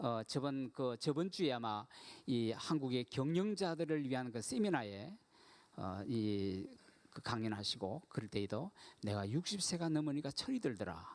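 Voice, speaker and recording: A man's pitch swings very widely at a moderate speed, captured in a very clean recording over total silence. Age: 60s. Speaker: guest pastor. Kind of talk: sermon.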